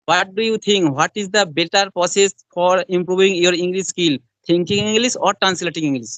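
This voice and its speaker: Young indian guy, bengali accent, high-ish voice, lots of uh and repeats, dry sound. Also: normal speed, a bit bright, dry recording, low-quality recording. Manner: repetitive, with many fillers. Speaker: interviewer in a practice conversation. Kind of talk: casual conversation practice.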